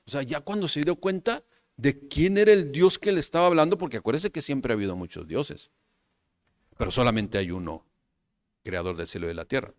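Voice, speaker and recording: Animated Mexican preacher, man. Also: mid-range voice, a little fast, no room sound, studio quality. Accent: Mexican Spanish. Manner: animated preaching, asks listeners for agreement and calls them brothers. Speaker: pastor. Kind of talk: sermon.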